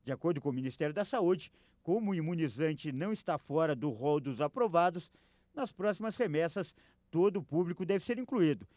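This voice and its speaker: A man's voice: a little high, darkish tone, no room sound. A Brazilian man narrating a scripted news report as a voice-over.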